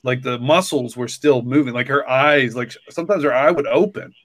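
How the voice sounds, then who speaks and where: A podcast co-creator and story author talks in a casual, reflective way, rambling and filling his speech with "like" and "you know." His voice sits at medium pitch, moves at a normal speed, and sounds slightly bright, with no room sound at all.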